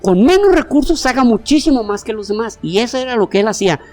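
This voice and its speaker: A podcast co-host with a Mexican Spanish accent narrates history quickly and casually, animated and rambling, with plenty of slang, restarts and fillers. The medium-pitched voice is accompanied by soft background music.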